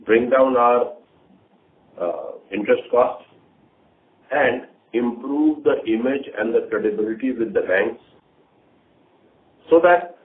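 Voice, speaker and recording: A man speaking as a company executive briefing investors on an earnings call, talking deliberately in short, halting phrases. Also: medium pitch. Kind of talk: earnings call management commentary. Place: conference call. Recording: tinny phone line with faint noise.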